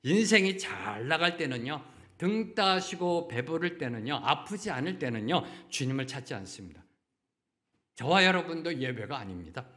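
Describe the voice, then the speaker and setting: A man's voice: fairly high pitch, sing-song, normal speed. A middle-aged man preaching a sermon as pastor, often affirming with short fillers and asking the congregation questions, now and then acting out quoted voices. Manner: acts out brief quoted voices, at times shouting.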